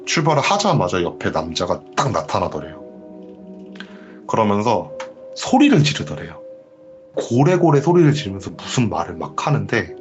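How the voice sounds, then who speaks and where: A man hosting a horror story show, retelling a viewer's ghost story in a lively way and acting out the quoted lines. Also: medium pitch, highs cut off. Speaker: horror story radio host.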